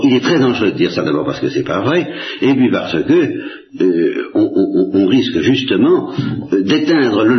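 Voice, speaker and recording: Low-voiced man lecturing, hesitant. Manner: hesitant, many repeated words and restarts; emphatic, appeals to listeners. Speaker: spiritual lecturer answering questions. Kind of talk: reflective religious talk. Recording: dull lo-fi archival recording in echoey room.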